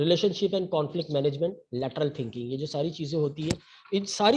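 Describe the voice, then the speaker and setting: Pitch variation in this voice is ordinary. The tone is dark and mellow. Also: man. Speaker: pharmacy college academic head giving training. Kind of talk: online training lecture. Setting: online session. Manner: mixes Hindi and English with fillers.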